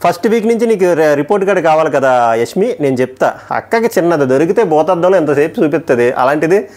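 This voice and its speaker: A man's voice: on the high side, expressive, darkish tone. A man giving a casual, emphatic review of a TV episode and weighing each point with strong opinions. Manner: emphatic, opinionated, quickly switching between points. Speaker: TV show reviewer.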